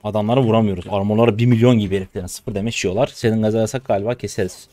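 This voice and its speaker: A man in his twenties from Turkey giving casual live commentary on his own gameplay, chatty and trash-talking, with sudden loud excited shouts, on a close desk mic. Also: fairly low pitch, very fast. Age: 20s. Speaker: gaming streamer.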